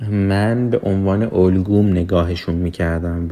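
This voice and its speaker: A man speaks with a dark, mellow tone at a fairly low pitch. His intonation is fairly even and his pace fairly slow. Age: 20s. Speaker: videographer and photographer. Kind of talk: voice message testimony. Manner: halting.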